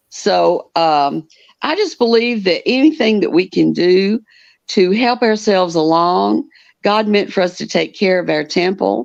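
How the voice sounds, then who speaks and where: Against a quiet background, a woman talks at a fairly slow pace in an East Tennessee accent. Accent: Southern US (East Tennessee). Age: 60s. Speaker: yoga instructor and network marketer. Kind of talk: podcast interview.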